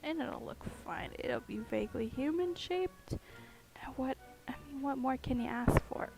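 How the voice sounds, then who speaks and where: A woman's voice: high voice, animated, a little slow, creaky, a little mellow, low-quality recording. A woman chatting casually on a live stream while she carves, with a groggy morning voice, giggling, rambling and humming to herself. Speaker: streamer carving pumpkins. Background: music playing in the background.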